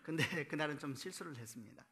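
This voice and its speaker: A middle-aged male pastor delivers a sermon in a church, his voice bright and slightly higher than most men's. He talks to the congregation in an easy storytelling way, posing questions and laughing at his own anecdotes. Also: expressive, quick pace. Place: church sanctuary.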